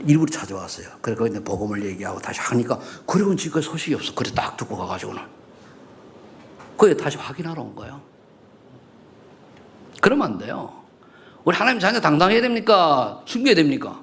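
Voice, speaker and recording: A middle-aged man preaching a sermon in a church, swinging between loud rising questions and low murmured asides, and bantering with the congregation. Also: sing-song, quick pace, long pauses, slight background noise. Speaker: pastor. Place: church sanctuary.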